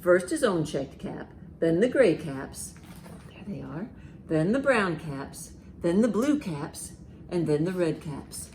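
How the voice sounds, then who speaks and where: A woman's voice: lowish voice, sing-song, slow pace, darkish tone, a little hiss or hum. A woman hosting a children's storytime, speaking expressively and putting simple questions to young listeners. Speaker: children's librarian and storytime host. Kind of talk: animated children's storytime read-aloud.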